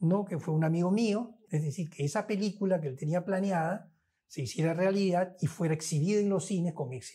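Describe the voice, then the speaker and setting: Talking at a fairly quick pace, a man has a high pitch, a dark, mellow tone, and ordinary pitch variation. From Lima, Peru. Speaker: film director. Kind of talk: casual interview. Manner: halting, repeats words. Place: studio. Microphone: lapel.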